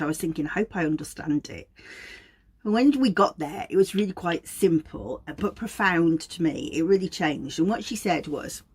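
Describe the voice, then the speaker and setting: A woman with a Black Country accent from Wolverhampton giving an informal educational talk to viewers, explaining things in a chatty, self-deprecating way. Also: fairly low pitch. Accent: Black Country English (Wolverhampton). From Wolverhampton, England. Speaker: aromatherapy educator and host.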